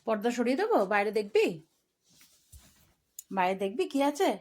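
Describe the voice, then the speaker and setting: High-voiced woman fussing over a pet. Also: very animated, moderate pace. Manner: fond, coaxing, rising sharply when alarmed. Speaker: vlogger talking to her cat. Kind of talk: casual home vlog, baby talk to a pet. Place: home indoors by a window.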